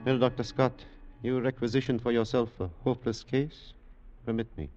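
A man's voice: mid-range voice, little pitch movement, over music, close to an everyday voice. Man playing a wry senior doctor, vintage radio. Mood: grave, wry. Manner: measured, formal, dryly humorous. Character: elderly, skeptical, wry senior hospital doctor. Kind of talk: 1940s radio acting. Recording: dull vintage 1940s radio recording.

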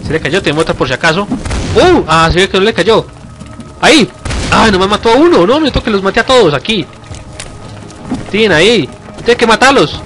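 A young man with a Colombian accent giving excitable let's-play commentary at his computer, yelping and swearing at scares. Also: fairly high pitch. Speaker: gamer. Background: game music.

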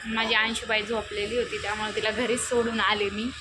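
A woman's voice: medium pitch, little pitch movement, a little fast. A young woman talking casually to her viewers in a family vlog, chatting about her day and coaxing and scolding her small children. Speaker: vlogger, mother of two small children. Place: small shop, near a road with passing vehicles. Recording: phone audio with clear traffic noise. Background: traffic noise from the road.

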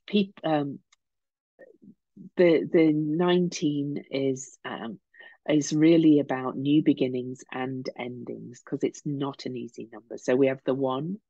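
A woman talks informally and reflectively, as if thinking through her explanation as she goes. Her voice is mellow and slightly croaky, with plenty of fry. The sound is close and dry but a little dull, like a home webcam recording. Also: very deep voice, no room sound. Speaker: astrologer, podcast host. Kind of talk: informal explanatory astrology podcast talk. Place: small home room, indoors.

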